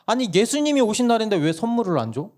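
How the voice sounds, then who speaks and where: A hoarse man voicing an eight-year-old boy who whines and argues for a Christmas present. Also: high-pitched, big pitch swings, fast, a little mellow, pitched above the performer's own voice. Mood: whiny, arguing. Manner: whiny, argumentative, insistent. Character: pushy little boy, about eight, demanding presents.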